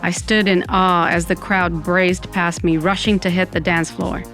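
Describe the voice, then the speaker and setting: Low-voiced, wry Latina narrator. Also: female voice, flat delivery, measured pace, a bit bright. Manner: wry, dramatic storytelling. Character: wry undead Latina woman narrating her own story. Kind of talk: first-person comic audio fiction narration. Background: music.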